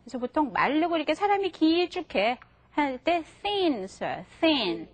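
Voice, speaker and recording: Woman teacher, high and bright, lively and patient, models words for the class to repeat. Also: moderate pace. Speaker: English teacher. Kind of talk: classroom lesson for adult learners. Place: TV studio classroom.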